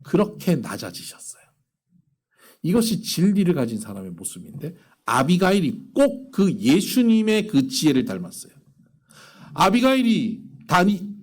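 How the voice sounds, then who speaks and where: A man preaching a sermon as pastor in a church, lively and often acting out quoted speech in different voices. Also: sits high, normal speed. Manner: animated, acts out quoted speech. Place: church sanctuary.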